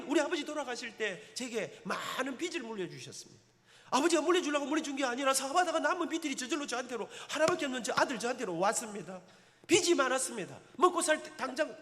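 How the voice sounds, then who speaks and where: Middle-aged Gyeongsang man, church elder, very high voice, impassioned testimony, long church reverb. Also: animated, fast talker, a bit bright. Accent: Gyeongsang Korean. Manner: impassioned, emotional storytelling with dialect turns. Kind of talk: testimony sermon. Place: church sanctuary.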